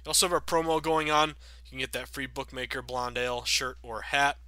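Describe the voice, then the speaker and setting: A man in his thirties hosting a sports betting podcast, chatty and upbeat with many fillers, sounding a bit raspy from a cold. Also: mid-range voice, steady tone, fairly quick, bright, forceful tone, no room sound. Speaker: podcast host.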